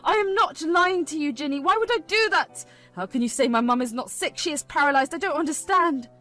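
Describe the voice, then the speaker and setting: A woman's voice: high voice, brisk, sharp tone, faint music behind. A woman voicing a young husband who speaks firmly and with exasperation. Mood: defensive. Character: young husband, firm and frustrated.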